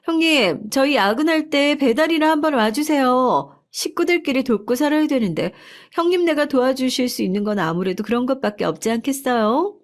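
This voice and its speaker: A woman's voice: sits high, animated, a little fast, hardly any pauses, pitched above the performer's own voice. A woman voicing a sly young sister-in-law who mocks with fake sweetness in a told story. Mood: mocking.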